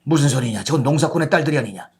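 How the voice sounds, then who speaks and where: A man's voice: medium pitch, expressive, rapid-fire, slightly rough. A man plays an old, deluded knight in a storybook reading. He is pompous and lovelorn, speaking in a lordly, theatrical way. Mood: indignant.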